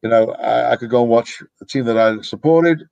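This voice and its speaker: A man's voice: medium pitch, fairly quick, vocal fry, a little mellow, dry recording, highs cut off. Brief: middle-aged male coach, reflective, meandering, dry close mic. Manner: reflective, rambling with restarts. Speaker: youth soccer coach, guest. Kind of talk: casual podcast conversation. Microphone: podcast microphone.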